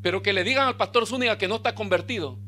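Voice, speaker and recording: A male pastor, preaching a sermon with bursts of emphasis and quiet low asides. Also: very fast.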